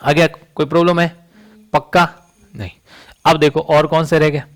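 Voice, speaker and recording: Higher-pitched male chemistry teacher. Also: flat delivery, moderate pace. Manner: rhetorical questions, frequent "समझ रही बात?". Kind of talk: classroom lecture.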